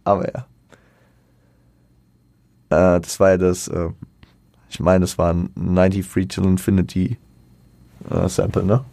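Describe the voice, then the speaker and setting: Guy doing a chill music review, kinda low mellow voice, lots of uhs and restarts, slangy, dry sound. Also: completely flat delivery, measured pace, creaky, pauses often, no echo. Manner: hesitant, many fillers and restarts; colloquial slang. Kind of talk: casual spoken album review.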